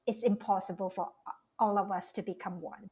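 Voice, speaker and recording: A woman speaks at a middle pitch. She talks as a podcast guest, thinking aloud and circling back to rephrase her ideas. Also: fairly even intonation, moderate pace, darkish tone. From Malaysia. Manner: reflective, speaks in loose restarting phrases. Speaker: guest, cultural strategist. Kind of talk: casual interview talk.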